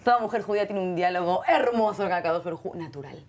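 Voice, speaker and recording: A middle-aged woman with an Argentine Spanish accent, a guest in an interview who speaks in an expressive way, often repeating herself. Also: fairly low pitch, fast. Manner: warm and expressive, many repeated words and Hebrew terms. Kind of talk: heartfelt conversational interview.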